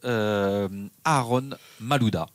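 A man on a sports radio panel, adding calm remarks with dry humor. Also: on the low side, slow, no room sound. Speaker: football pundit.

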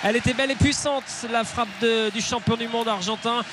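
A man giving live radio commentary on a football match, calling the action briskly and with excitement. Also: extremely high pitch, background noise. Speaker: play-by-play commentator.

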